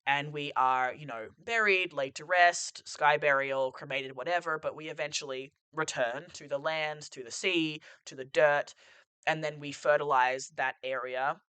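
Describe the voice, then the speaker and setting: Musing bright-voiced man, thinking aloud. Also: a little high, steady tone, normal speed, clean tone, no echo. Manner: rambling, musing, full of "like" and "sort of". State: losing his voice. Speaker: podcast host. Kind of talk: reflective solo monologue. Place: sitting on a couch at home.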